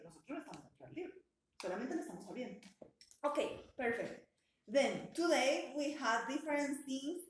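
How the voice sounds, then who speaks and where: A woman teacher gives a bilingual English lesson with a patient, encouraging manner. She slows down and draws out words so learners can copy their pronunciation. Her slightly high voice rings in a roomy, echoey space. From Colombia. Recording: echoey room sound.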